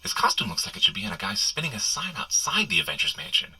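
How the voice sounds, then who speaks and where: A man's voice: fairly low pitch, very animated, fast talker, pushed and bright, breathy edge, full character voice. A man playing a flustered, wisecracking superhero who rambles sheepishly as he coaches a runner in a comedic audio drama. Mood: wry, cautioning. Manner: rambling, sheepish, nervously joking asides. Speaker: character guide in an audio running adventure.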